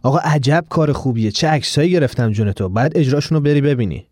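A chatty young man who jokes around with his friend, played by a male narrator. The storybook voice is mellow and dark, close to a dry mic. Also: medium pitch, no room sound, close to an everyday voice. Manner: playful and teasing, then earnest. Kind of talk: audiobook character voice.

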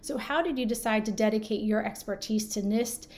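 A woman hosting an interview show, reading a guest introduction and asking questions in a measured, scripted way. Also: medium pitch, a little mellow. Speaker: podcast host.

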